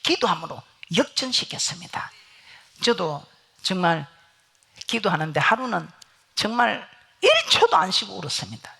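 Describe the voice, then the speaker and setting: A woman preaching a revival sermon in a church with a Gyeongsang Korean accent, telling stories, loud one moment and hushed the next. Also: medium pitch, lively intonation, moderate pace, gravelly, long pauses, slightly rough. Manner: storytelling, swings from loud to hushed. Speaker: guest pastor. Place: church sanctuary.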